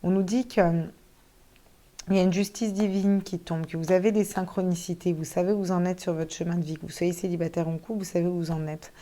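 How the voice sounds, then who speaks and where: A woman's voice: lowish voice, steady tone, fast talker, dark tone. A woman giving a casual tarot reading to viewers, chatty and thinking aloud, with some casual swearing. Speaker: tarot card reader.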